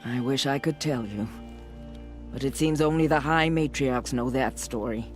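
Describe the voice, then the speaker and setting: Male tribal warrior, actor-voiced: respectful, solemn, kindly, medium pitch, game score underneath. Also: moderate pace, faint music behind, lightly acted. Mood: solemn, grateful. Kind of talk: video game cutscene acting.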